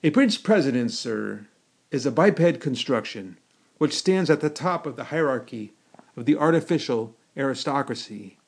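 A man's voice: medium pitch, expressive, normal speed, creaky, husky. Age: adult. Figure: a man voicing a courtly clockwork metal man. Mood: stiff, courtly. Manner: stiff formal politeness. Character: male clockwork metal man, courtly, eerie, coal-hungry.

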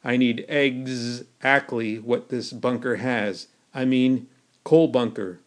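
A man's voice: medium pitch, fairly even intonation, slow pace, natural voice. A man voicing a clockwork metal man who speaks with stiff, formal, eerie politeness. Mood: stiff, courtly. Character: male clockwork metal man, courtly, eerie, coal-hungry.

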